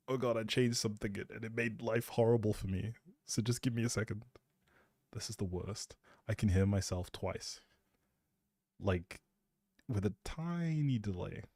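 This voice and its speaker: Man, low mellow voice, chatty rambling streamer, casual, self-interrupting. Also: gravelly, dry recording, studio quality. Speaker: live streamer, host. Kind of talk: casual rambling livestream chat.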